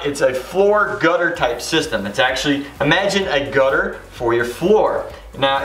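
His voice is on the high side and a bit bright. He's a middle-aged man hosting a home improvement how-to show, talking to camera and explaining practical steps in a plain, instructional way.

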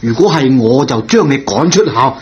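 A man's voice: mid-range voice, lively intonation, moderate pace, natural voice. A man acting a money-minded but indulgent middle-aged father in a radio drama, sighing and mock-scolding. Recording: dull lo-fi radio, audible noise.

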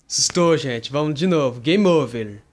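Man, fairly high pitch, animated, chatty horror-game commentary, yelps at scares, light background noise. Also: moderate pace. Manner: excitable, yelps at jump scares, talks to viewers and a friend. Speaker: gamer playing a horror game. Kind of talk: casual gameplay commentary.

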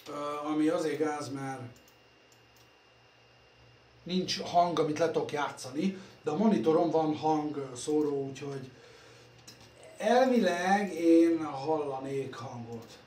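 A man's voice: a little high, expressive, pauses often, slight background noise. A man talking casually while working on computers in his workshop, rambling and self-deprecating, recorded on a phone. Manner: rambling, self-deprecating, trailing off softly at phrase ends. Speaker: computer repair vlogger. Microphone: phone camera. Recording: echoey workshop room, faint ambience.

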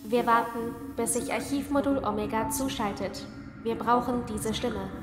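A woman acts as a female coordinating machine in a sci-fi radio play. It gives terse, formal commands in a highish voice. There is strong reverb and loud music. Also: steady tone, moderate pace, close to an everyday voice. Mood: terse, commanding. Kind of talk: science fiction radio play acting.

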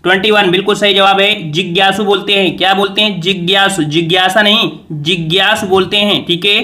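Bright high-voiced exam tutor. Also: male voice, steady tone. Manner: repeats answers as questions to the viewers, brisk and coaxing. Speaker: exam coaching teacher. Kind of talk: quiz-style exam revision lesson.

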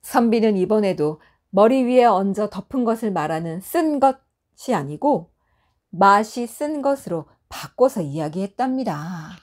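A woman narrating a traditional folktale for an audiobook in a gentle storytelling manner. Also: mid-range voice, animated, a little slow.

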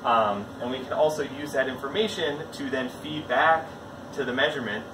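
A young man talks through his experiment casually, full of ums and rights. He stands back from the camera in a large lab, so his voice sounds distant and roomy. A clear air-conditioning hum runs underneath. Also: medium pitch, moderate pace. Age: young adult. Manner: relaxed and explanatory, with frequent ums and rights. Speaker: lab researcher giving a tour. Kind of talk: casual on-the-spot explanation. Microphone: camera a few feet away.

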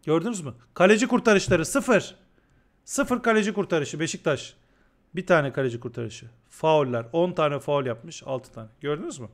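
A man's voice: fairly high pitch, normal speed. A man streaming a game live and talking casually, often ranting in exasperation and repeating himself. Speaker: gaming streamer.

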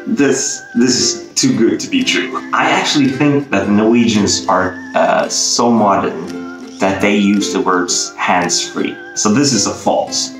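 A young man with a Swedish accent doing a casual quiz vlog, playful and laughing often as he sounds words out slowly, recorded on a webcam in a small bare room. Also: fairly low pitch. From Sweden. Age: young adult. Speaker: YouTuber. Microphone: webcam framing, head and shoulders. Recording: echoey bare room, faint guitar music.

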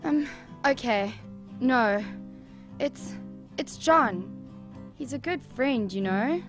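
A woman's voice: on the high side, expressive, slow. A woman playing a troubled, hesitant young boy in an audio drama, with guitar music behind. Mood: anxious, reluctant.

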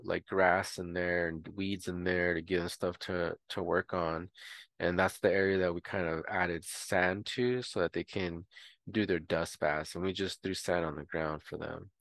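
A man's voice: low voice, no echo. A man explaining a homesteading tutorial in a casual, rambling way, with frequent ums and restarts. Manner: relaxed, rambling with many fillers. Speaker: homestead educator.

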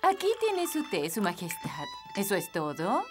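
A woman with a Latin American Spanish accent voicing a prim, exasperated fairy nanny in a children's cartoon, theatrical and crisply formal. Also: medium pitch, huge pitch swings, normal speed. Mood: prim, composed. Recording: loud music behind.

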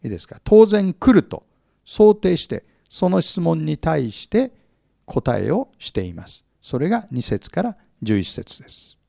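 A man's voice: on the high side, very animated, a little slow, creaky, dark tone, dry recording, clean studio sound. A male pastor teaching from the Bible, often asking his audience questions, stressing words with force and acting out small humorous scenes. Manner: humorous, acts out little scenes.

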